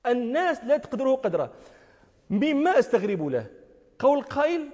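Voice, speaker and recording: A man's voice: very high-pitched, very animated, brisk, dark tone, dull audio. A man giving an emphatic religious lecture, repeating key phrases and asking rhetorical questions. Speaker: religious scholar teaching a lesson. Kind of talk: lecture on recitation and jurisprudence. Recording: long hall reverb.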